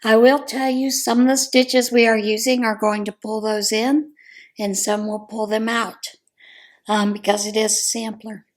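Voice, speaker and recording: A hoarse American woman chatting casually in a crochet vlog, rambling a little with frequent ums. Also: fairly high pitch, level tone, unhurried. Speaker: crochet vlogger. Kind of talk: casual chat.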